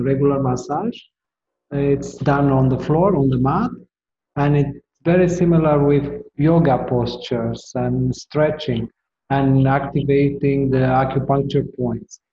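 A man's voice: mid-range voice, fairly even intonation. Man on a muffled echoey phone line. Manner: halting, repeats words while searching for them. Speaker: caller speaking with a Tai Chi teacher. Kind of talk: casual call conversation. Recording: muffled echoey call line with faint noise.

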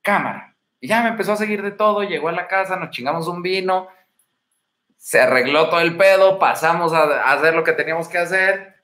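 A man's voice: sits high, fairly quick, sharp tone. Slangy Mexican man in an echoey room. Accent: Mexican Spanish. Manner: slangy, storytelling, addresses viewer as buddy. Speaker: dating advice host. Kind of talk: casual livestream talk.

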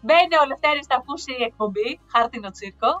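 A woman co-hosting a casual podcast, chatting and telling animated stories, laughing often. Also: high voice. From Greece. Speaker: podcast co-host. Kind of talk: casual chat. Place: living in the United States. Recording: slightly dull lo-fi sound with faint music.

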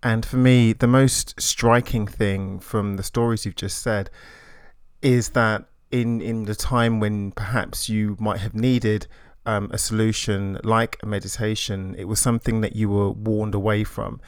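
A man hosting a podcast, reading a scripted introduction and asking interview questions in a measured, polite way. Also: lowish voice, little pitch movement, clear, resonant tone, dry recording, clean studio sound. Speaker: podcast host.

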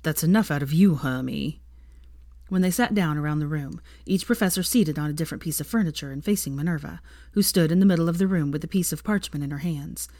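A woman narrating a fan story aloud in a calm, even reading voice. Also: low voice, fast talker, no room sound, studio quality. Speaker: fanfiction reader.

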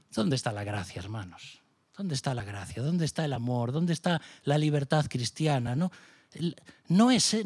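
A man's voice: sits high, darkish tone, no room sound, clean studio sound. A middle-aged man from Spain preaching a sermon with a Spanish accent, passionate, firing off rhetorical questions and mocking asides. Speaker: pastor.

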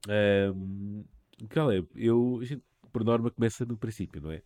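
A podcast host, a man with a European Portuguese accent and a fairly low voice. He leans on jokey colloquial idioms and stretches his questions out, circling back before he lands them. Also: fairly even intonation, moderate pace, darkish tone. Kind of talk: casual interview chat.

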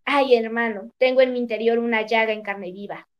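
A woman's voice: a little high, steady tone, a little fast, highs cut off, close to an everyday voice. A woman reading the lines of a grieving, betrayed king in a storybook tale, close to her own narrating voice. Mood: sorrowful. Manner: sober storybook reading of a king's words.

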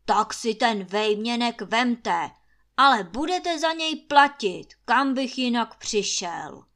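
A woman's voice: a little high, expressive, a bit bright. A woman voicing a blustering, short-tempered old male landlord who roars and curses in a storybook reading. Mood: grudging. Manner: roaring, cursing, short-tempered.

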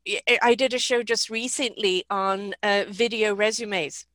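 A woman hosts a relaxed talk show chat, her voice bright and crisp, recorded close and dry. She gives friendly advice in a chatty way and laughs easily. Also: mid-range voice, a little slow, no room sound. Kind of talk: casual chat.

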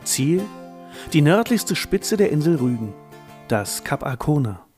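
Higher-voiced male storytelling narrator over music. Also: very animated, a little slow, a little mellow. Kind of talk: scripted documentary storytelling.

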